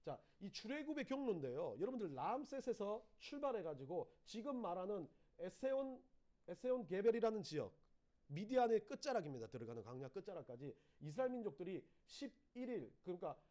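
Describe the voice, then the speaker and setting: A man's voice: high-pitched, big pitch swings, brisk, warm tone. A male pastor preaching a sermon, telling a personal story and acting out the voices of the people in it.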